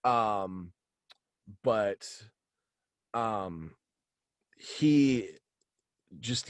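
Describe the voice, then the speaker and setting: A man's voice: on the low side, no room sound, studio quality. A young man chatting casually and in a rambling way as an interview guest, peppering his talk with "like". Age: young adult. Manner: rambling, frequent "like". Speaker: guest, voice actor and writer. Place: small room at home, on video call.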